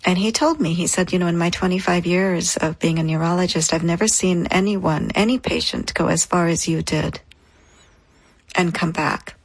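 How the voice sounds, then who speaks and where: An earnest woman in her thirties tells her own story as an interview guest, in short, reflective phrases. Her voice sits a little low with a husky edge. The sound is close and dry. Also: moderate pace, dry recording, rough recording.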